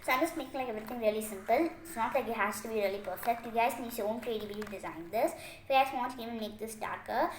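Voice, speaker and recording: Lady doing a casual craft how-to, highish voice, says like a lot, roomy sound w a bit of noise. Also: very fast. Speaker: craft tutorial host. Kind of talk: casual step-by-step craft tutorial. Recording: echoey room with faint noise, clicks.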